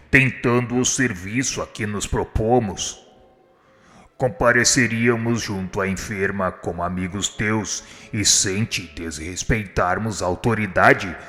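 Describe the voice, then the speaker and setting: Radio drama: male actor as a kindly spirit mentor, low voice, earnest and humble, long reverb. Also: fairly bright tone. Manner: formal, earnest, beseeching. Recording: long reverb, music underneath.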